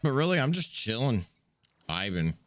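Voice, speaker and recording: A young man hosting his own game stream, chatting loudly and casually with friends, on a headset mic at home. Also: medium pitch, sing-song, moderate pace, dry recording. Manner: loud, talks over friends on voice chat. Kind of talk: casual gaming stream chat. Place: home gaming room.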